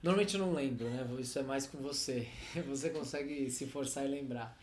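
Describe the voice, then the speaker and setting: A man's voice: medium pitch, fairly quick, darkish tone, soft background music. A man co-hosting a podcast in casual chat, easygoing and thoughtful, often trailing off mid-sentence. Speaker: podcast co-host. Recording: roomy with faint noise.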